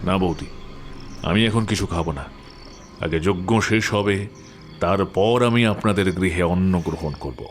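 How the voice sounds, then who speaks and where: Man playing a grave, low-voiced commanding priest. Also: normal speed, long pauses, natural voice. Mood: grave, instructing. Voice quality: solemn, grave voice. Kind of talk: dramatic audio story acting.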